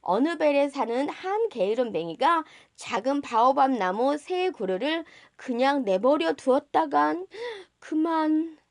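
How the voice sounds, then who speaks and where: High-voiced woman reading a storybook, lively intonation. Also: unhurried, few pauses, no echo, clean studio sound. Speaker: storybook reader and channel host. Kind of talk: expressive scripted storybook narration.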